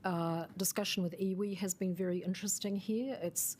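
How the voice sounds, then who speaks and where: A woman officer answering councillors' questions in a measured, thoughtful way, with fillers. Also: mid-range voice, fairly even intonation, a little mellow, a little hiss or hum.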